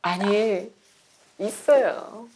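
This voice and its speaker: A woman's voice: mid-range voice, very slow, a little mellow. A woman hosting a talk show, asking questions casually and backing her guest with short affirmations. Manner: engaged, prompting questions, frequent short affirmations. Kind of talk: casual interview chat.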